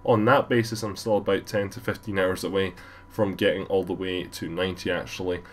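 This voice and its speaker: Male gaming vlogger, deep and low, sick with a cold, rapid rambling voiceover. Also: steady tone, slight background noise. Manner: rambling, casual, many fillers. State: has a cold, stuffy. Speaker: gaming YouTuber. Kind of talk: gameplay voiceover commentary.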